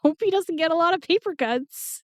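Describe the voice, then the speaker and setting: High, lively, sassy young woman acted. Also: moderate pace, dry recording, clean studio sound. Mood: teasing. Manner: casual, cheeky. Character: sassy, playful young modern woman in fantasy world. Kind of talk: fantasy audio drama acting.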